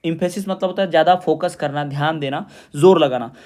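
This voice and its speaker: A man with a high voice teaching an exam revision class. He asks the students questions and answers them himself. He slows right down to read definitions word by word. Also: darkish tone. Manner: explains in Hindi, reads definitions slowly in English.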